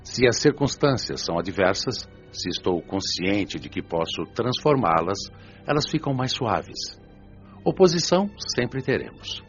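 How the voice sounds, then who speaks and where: A man's voice: on the low side, sing-song, measured pace. A man playing a patient, earnest father who teaches like a preacher in a radio drama, didactic and solemn. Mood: earnest, instructive. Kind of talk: audiobook radio drama, sermon-like lecture. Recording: dull lo-fi audio with music behind. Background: music.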